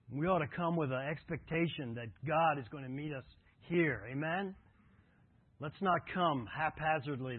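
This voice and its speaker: A man's voice: on the high side, husky, no echo. A man preaching a sermon, telling travel stories in a conversational way and then earnestly urging his congregation toward devotion. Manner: conversational storytelling, earnest exhortation. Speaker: pastor. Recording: tinny phone-like audio.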